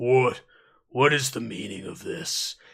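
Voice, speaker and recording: A man puts on a raspy character voice at a medium pitch. He talks at a fairly slow pace. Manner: demanding, imposing.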